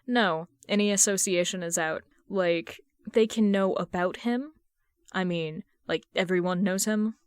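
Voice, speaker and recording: A woman's voice: on the low side, unhurried, smooth, no room sound, clean studio sound, natural voice. A woman reading the part of a teasing young man, a sarcastic best friend with a casual manner, in a story. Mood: wry.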